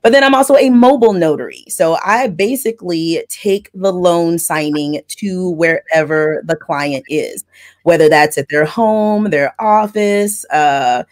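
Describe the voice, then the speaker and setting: A middle-aged woman with a somewhat low voice explains her work in a chatty, wordy way. She talks over a video call through an earbud mic from her home office. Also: unhurried, darkish tone. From from Florida, raised in Texas. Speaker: mobile notary loan signing agent and channel host. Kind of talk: casual interview storytelling. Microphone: earbud headset on a video call.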